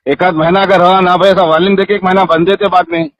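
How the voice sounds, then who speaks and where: A man's voice: sits high, level tone, fast talker, dry recording. A man with a Hyderabadi accent in a heated phone argument, insistent, pleading and reproachful, talking over the other person on a muffled recorded call. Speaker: social worker.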